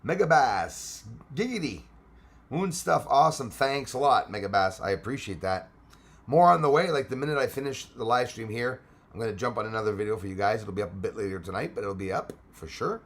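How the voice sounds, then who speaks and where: A man's voice: lowish voice, animated, fairly quick, a bit bright, slightly rough. A middle-aged man from Quebec with a Québécois French accent, chatting casually on a live stream, reading viewer comments and laughing often.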